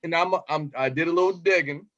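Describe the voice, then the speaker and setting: A man's voice: fairly high pitch, brisk, fairly bright tone. Man, podcast host, chatty, home-town pride, dull lo-fi audio. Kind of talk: casual interview chat.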